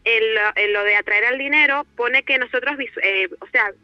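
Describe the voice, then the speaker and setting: A woman's voice: fairly high pitch, normal speed, no echo. A woman comes through over a phone line, her voice a little muffled and dry with no room around it. She talks in a casual, hesitant way, restarting her sentences and searching for the right words as she puts her question to the show. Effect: heard over the phone. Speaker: caller to a live show.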